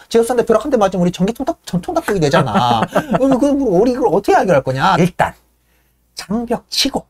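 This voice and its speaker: A woman playing a brash, scheming smooth-talker. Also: medium pitch, a little mellow. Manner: hectoring, cocky, keeps prodding with "어?". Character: brash, scheming Athenian man talking birds round.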